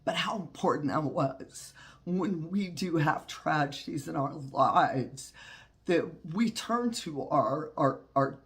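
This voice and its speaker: A man, hosting his own channel and talking through a personal hardship. His low voice is congested from a cold, and he speaks in a folksy, heartfelt way, full of fillers and restarts. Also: animated, slow pace, fairly bright tone. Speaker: witchcraft channel host. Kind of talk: personal reflective talk.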